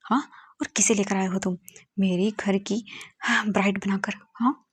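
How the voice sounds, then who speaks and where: A woman's voice: mid-range voice, little pitch movement, brisk, darkish tone, slightly rough, no room sound, lightly acted. A woman voicing a stern middle-aged mother who scolds her son, in a storytelling reading. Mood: angry.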